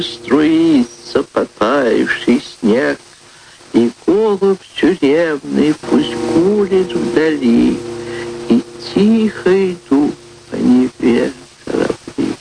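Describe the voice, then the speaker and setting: A man reciting verse in a solemn, dramatic style, with grave and deliberate phrasing. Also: mid-range voice, vocal fry, background noise.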